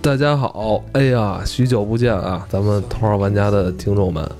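A man, co-hosting a podcast in a relaxed, chatty way with mild swearing. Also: on the low side, moderate pace, soft background music. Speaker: podcast co-host. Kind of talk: casual podcast chat.

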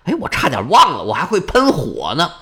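A male storyteller voicing a boastful, hot-tempered bull in a gruff, blustering way. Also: on the high side, huge pitch swings, a little fast, sharp tone, heavily acted. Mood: grudging.

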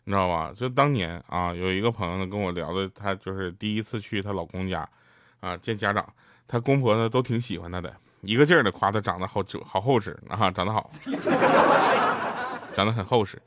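A man doing a stand-up comedy set on stage, telling deadpan stories and acting out quotes. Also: low-pitched, a little fast, slight background noise. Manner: deadpan storytelling with acted quotes. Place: stage with live audience.

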